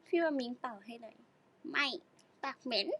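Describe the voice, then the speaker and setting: A woman's voice: high-pitched, moderate pace, fairly bright tone. A teenage girl idol chatting casually on a live stream, giggling and reading fan comments while sore and sitting stiffly.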